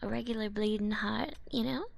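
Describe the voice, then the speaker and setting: A woman playing a cute, sly female goblin potion seller in an ASMR roleplay, smooth-talking and teasing in a soft, half-whispered voice. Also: on the high side, fairly quick. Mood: slick, persuasive. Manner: smooth-talking, teasing, casual haggler with gentle threats. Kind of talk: ASMR roleplay, hushed and close.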